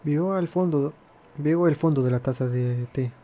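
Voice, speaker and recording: A man's voice: fairly high pitch, normal speed, mellow, slight background noise. A man hosting a gaming video, reading out dialogue choices in an informal, offhand way.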